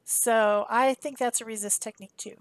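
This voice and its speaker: A woman's voice: fairly high pitch, fairly even intonation, normal speed, no echo. A woman giving a casual, chatty voice-over for a craft demonstration, explaining informally as she goes. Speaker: craft tutorial host.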